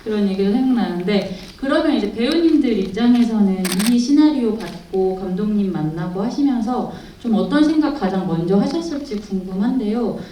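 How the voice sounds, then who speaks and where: A woman with a mellow voice moderates a film festival Q&A, putting friendly questions to the guests. Her voice comes from a distance and echoes in the cinema hall. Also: medium pitch, slight background noise. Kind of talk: hosting a festival Q&A.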